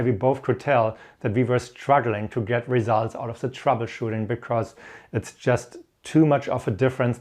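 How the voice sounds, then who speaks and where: German-accented man with a creaky voice. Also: medium pitch, a little mellow. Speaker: host of an IT career advice channel. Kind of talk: instructional talk with personal stories.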